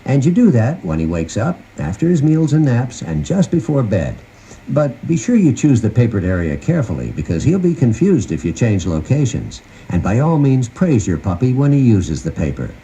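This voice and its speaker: A man's voice: mid-range voice, big pitch swings, moderate pace, warm tone. A man giving scripted instructional narration in a folksy, conversational manner, recorded on an old cassette tape. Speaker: host of a puppy training guide tape. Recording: noisy 1990 cassette tape transfer.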